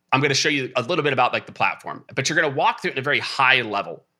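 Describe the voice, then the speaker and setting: This man has a medium pitch. His tone is bright and sharp. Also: very clean recording, silent background. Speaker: sales consulting CEO. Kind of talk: casual interview.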